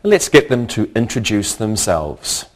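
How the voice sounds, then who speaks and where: Male lesson host, deep-ish voice, very slow, careful classroom delivery. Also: very animated. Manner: slow, carefully pronounced, repeats words for learners. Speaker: English teacher and host. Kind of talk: scripted language lesson.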